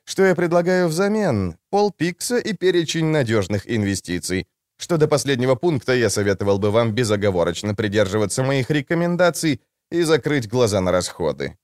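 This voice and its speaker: A man's voice: medium pitch, sing-song, darkish tone, dry recording, studio quality, lightly acted. A man doing a smug, wordy schemer. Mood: calm, scheming. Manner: wordy, mocking, deliberate. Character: sly talkative young man, smug schemer.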